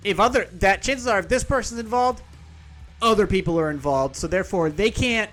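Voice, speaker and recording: A man hosts a podcast in a loose, sarcastic way, cursing freely and correcting himself as he reads. His voice sits a little higher than most men's. Soft music plays faintly under him. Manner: sarcastic, profane, rambling with self-corrections. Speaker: podcast host. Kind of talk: casual commentary, reading an article aloud.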